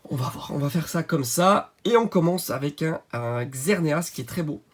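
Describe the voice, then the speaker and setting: A man with a hoarse voice from a cold, chatting casually as he opens trading card packs for his channel. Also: fairly high pitch, normal speed, a little hiss or hum. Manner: chatty, many fillers, excited at good pulls. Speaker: channel host. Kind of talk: card unboxing commentary.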